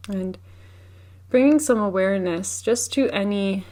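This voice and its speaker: Woman doing guided meditation, soothing and gentle, takes her time, mid-pitched voice. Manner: gentle, unhurried, soothing instruction. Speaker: meditation teacher.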